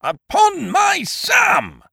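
A man reading aloud and voicing a blustering middle-aged male schemer who talks loudly and heartily. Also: on the high side, huge pitch swings, moderate pace, no room sound, studio quality, pitched above the performer's own voice. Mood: outraged. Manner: hearty, loud, indignant.

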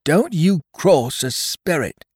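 A man voicing a frightened, superstitious pirate who talks slowly and uneasily in sailor slang. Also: mid-range voice, expressive, gravelly, no echo, clean studio sound, pitched above the performer's own voice. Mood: fearful. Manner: slow, uneasy sailor speech.

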